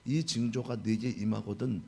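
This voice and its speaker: A man's voice: medium pitch, normal speed, vocal fry. A pastor in his forties preaching a sermon, acting out the dialogue of the people in the passage. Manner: animated, acts out dialogue in quotes.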